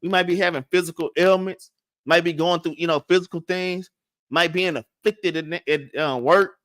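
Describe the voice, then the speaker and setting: A man's voice: on the high side, fairly even intonation, normal speed, a bit bright, dry recording, studio quality. A man with a Southern US accent teaching a casual Bible class, stuttering and restarting often and tagging "man" and "all right?" onto his lines. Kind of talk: casual scripture lesson.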